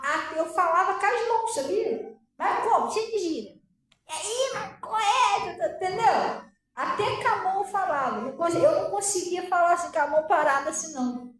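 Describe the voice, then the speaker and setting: A woman pastor with a Brazilian Portuguese accent giving her testimony as a sermon, conversational and animated, often asking the congregation questions. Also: sits high, slight background noise. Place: church hall. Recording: echoey room, voice far from mic.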